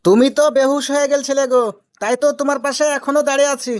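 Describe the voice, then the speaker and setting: A woman plays a cheerfully obtuse husband in a comedy cartoon, in a high voice. The delivery is innocent and stubbornly persistent, with a Rajshahi Bengali accent. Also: level tone, very fast, a little mellow, lightly acted. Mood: concerned. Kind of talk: comic cartoon dialogue.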